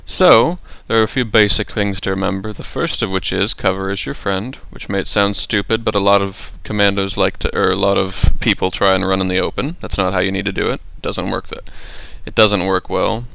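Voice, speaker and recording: A young man giving casual, rambling gameplay commentary in a rushed, offhand way. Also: deep voice, steady tone, creaky, sharp tone, dry recording.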